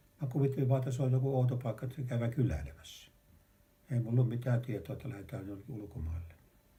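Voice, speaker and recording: This man talks at a very fast pace, his voice somewhat breathy. His pitch is medium and his tone dark and mellow. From Finland, Kainuu region. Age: 80s+. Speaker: war veteran. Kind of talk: interview answer.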